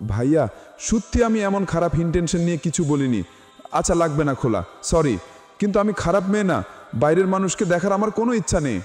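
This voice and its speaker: A man's voice: a little high, sing-song, fairly quick, a little mellow. A man voicing a young woman in a storybook, pleading and protesting in a sulky way. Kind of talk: storybook character voice. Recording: reverberant with music behind.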